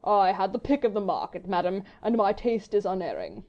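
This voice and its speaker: A woman doing a loud, foppish English baronet. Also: very high voice, fairly quick, lo-fi sound. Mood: bantering. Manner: loud, blustering, affected aristocratic drawl. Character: foppish, drawling English baronet, lazily jovial.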